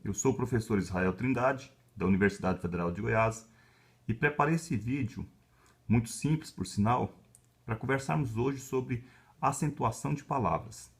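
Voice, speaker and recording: A male professor from Brazil gives a calm, measured lecture in a Brazilian Portuguese accent. His mid-pitched voice has a gravelly edge, and he talks close to the mic. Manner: calm, measured explaining with frequent "né" tags. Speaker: university professor. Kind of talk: explanatory lecture.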